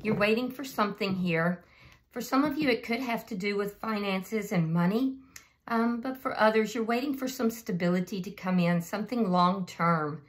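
A slightly hoarse woman giving a casual, unscripted tarot reading and speaking directly to the listener as the channel's host. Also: medium pitch, moderate pace.

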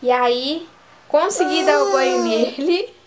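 High-voiced chatty mom vlogger. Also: female voice, slow, background noise. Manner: chatty, coos and sings to her baby. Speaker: vlogger mother. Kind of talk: casual vlog to camera. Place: bedroom at home.

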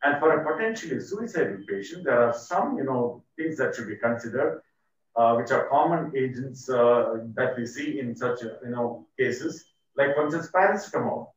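A man with an Indian accent gives a formal, measured medical lecture, his voice muffled by the face mask he is speaking through. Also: mid-range voice, animated. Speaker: toxicology lecturer, poison centre doctor. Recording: muffled, very echoey, distant microphone.

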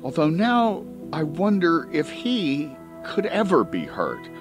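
A man reading a comic first-person story as an audiobook, with dramatic emphasis and drawn-out words. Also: a little high, wildly swooping pitch, music in the background. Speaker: audiobook reader.

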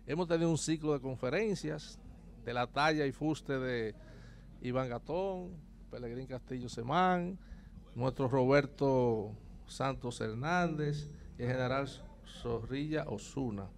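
A man's voice: mid-range voice, unhurried, gravelly, a little hiss or hum. A Dominican man in his sixties, a guest on an outdoor morning TV panel, talking proudly and emphatically into a handheld mic. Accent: Dominican Spanish. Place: outdoor street set with murals.

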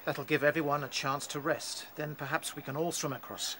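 A man's voice: on the high side, fairly even intonation, a little fast, sharp tone. A man acting in a radio play as a level-headed, commanding rabbit leader. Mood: calm, decisive. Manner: decisive, commanding. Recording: radio play with clear background noise.

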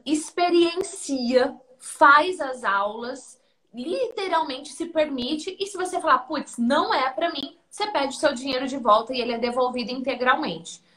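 A woman from Brazil, hosting a live stream about her coaching course and telling stories in an animated way. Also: high-pitched, normal speed. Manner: animated storytelling, acts out quotes. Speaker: host and coaching instructor.

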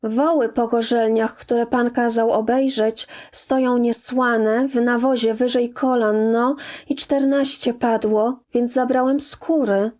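A woman narrator voicing a quiet young male assistant who speaks calmly and matter-of-factly. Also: fairly high pitch, slow, few pauses. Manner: calm and matter-of-fact.

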